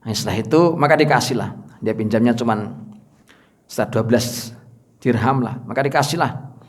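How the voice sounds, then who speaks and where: A man's voice: medium pitch, a little fast. A man preaching a sermon, telling a story in a casual, chatty way with many fillers.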